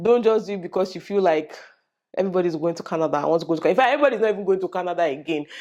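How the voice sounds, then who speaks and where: A woman with a Nigerian accent at a very fast pace, over a quiet background. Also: medium pitch for a woman, ordinary pitch variation. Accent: Nigerian (Yoruba) English. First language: Yoruba. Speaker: vlogger. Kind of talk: casual vlog talk. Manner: animated.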